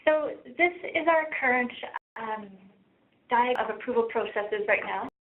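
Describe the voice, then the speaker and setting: A soft-spoken woman gives a work presentation, her voice a touch high and pausing often on ums. The sound is thin and phone-like, like a webinar recording from a meeting room. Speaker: research practice lead presenting. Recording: tinny phone-like webinar audio.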